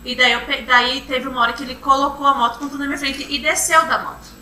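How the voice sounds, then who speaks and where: A young woman giving courtroom testimony, retelling events in a halting, repetitive way. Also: high-pitched, fairly even intonation, bright, forceful tone, faint music behind. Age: young adult. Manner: halting, repetitive retelling, often restarting with "then". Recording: roomy courtroom from far off, faint hum.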